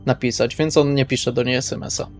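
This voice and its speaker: A man's voice: mid-range voice, fairly even intonation, fairly quick, gravelly. A man in a tabletop role-playing game, speaking colloquially and wryly as he improvises and narrates his character. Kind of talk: improvised in-character chat and third-person narration. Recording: music under the voice. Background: background music.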